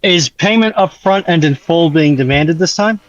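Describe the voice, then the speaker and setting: A man's voice: on the high side, normal speed. A man making casual interjections as a participant on a live stream over a voice call. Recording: dull, dry, lo-fi voice-call mic.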